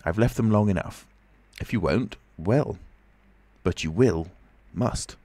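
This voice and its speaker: A man's voice: on the low side, takes it slowly, mellow, dry recording, pitched above the performer's own voice. A man voicing a commanding, menacing invisible man in an audiobook, speaking urgently and domineeringly. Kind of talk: audiobook character voice.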